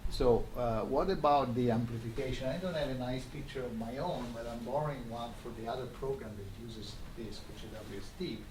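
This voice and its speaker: Male scientist lecturing at a colloquium, halting explanatory delivery, mid-pitched voice, picked up from afar in a noisy room. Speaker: astrophysicist giving a colloquium talk. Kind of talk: academic lecture. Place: lecture room, recorded from a distance. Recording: echoey, distant microphone, clearly noisy room.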